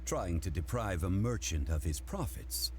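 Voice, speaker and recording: A man voicing a calm, learned gentleman in a video game, speaking in a measured, formal, lecturing way. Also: low-pitched, heavy background noise. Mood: explaining.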